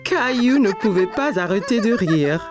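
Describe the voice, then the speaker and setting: A woman narrator telling a scripted children's story in a simple, clear storytelling manner. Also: medium pitch, animated, measured pace. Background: music.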